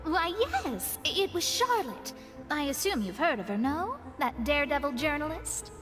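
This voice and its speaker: Young astrologer for a game: fairly high, proper, articulate, confident in her views, music behind. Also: big pitch swings, normal speed. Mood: assured, conversational. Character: self-assured young woman astrologer, proper and opinionated. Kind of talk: video game voice acting.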